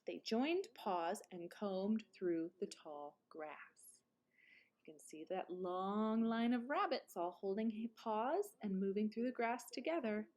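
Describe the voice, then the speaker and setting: A woman reading a children's picture book aloud like a teacher, with dramatic emphasis and quieter explanatory asides. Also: mid-range voice, animated, slow. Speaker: read-aloud presenter, teacher. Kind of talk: expressive children's storybook narration with explanatory asides.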